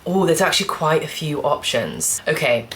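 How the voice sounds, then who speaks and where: Young woman with a low voice, croaky from a cold, rambly book chat, faint hiss behind. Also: big pitch swings, normal speed, a bit bright. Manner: chatty, rambling, full of "like" and restarts. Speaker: book vlogger. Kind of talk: casual chat to camera.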